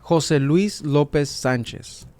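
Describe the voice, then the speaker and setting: A man playing a calm, careful interview applicant. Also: on the high side, slow pace. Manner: short, plain, careful answers. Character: male citizenship applicant answering an officer. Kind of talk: scripted practice dialogue.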